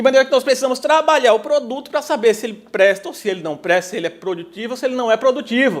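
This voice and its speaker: A man talks at a very fast pace. His pitch is extremely high. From Brazil, Recife (Pernambuco). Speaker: public procurement official, conference speaker. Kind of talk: conference lecture.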